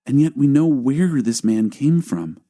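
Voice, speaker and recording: A man's voice: mid-range voice, animated, unhurried, mellow, pitched above the performer's own voice. A man voicing puzzled, argumentative crowd members who question things in a dramatized scripture audiobook.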